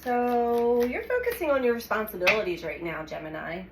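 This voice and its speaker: A woman giving a weekly tarot reading in a calm, unhurried way, congested from a cold and pausing as she draws cards. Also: fairly high pitch. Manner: calm, unhurried, speaks with pauses while drawing cards. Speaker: tarot reader. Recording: echoey room with audible background noise.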